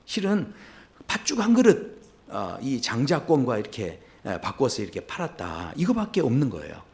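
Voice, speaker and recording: A man's voice: wildly swooping pitch, normal speed. A male pastor delivering a Sunday sermon, telling a story and answering his own rhetorical questions. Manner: storytelling, acts out quoted lines with sudden pitch jumps.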